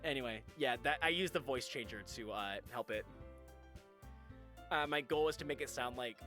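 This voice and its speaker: A man's voice: medium pitch, normal speed, bright, forceful tone, soft background music. A young adult man chatting casually as he live streams a game.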